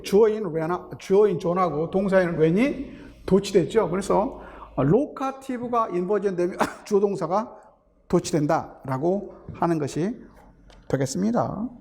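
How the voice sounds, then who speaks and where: A man's voice: sits high, a little mellow. A man teaching linguistics for a teaching exam, explaining step by step and asking rhetorical questions, with terms. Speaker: English linguistics instructor. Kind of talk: exam-prep lecture. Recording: long hall reverb.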